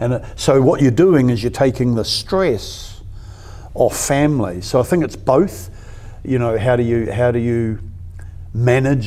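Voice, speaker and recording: Speaking with a New Zealand accent, the voice moves at a moderate pace with ordinary pitch variation. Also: man. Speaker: retired pastor. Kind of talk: interview.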